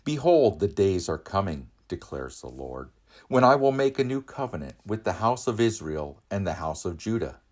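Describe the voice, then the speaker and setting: A man with a very low voice reads scripture as a lay reader in church. His delivery is solemn, measured and declamatory. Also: very animated, darkish tone.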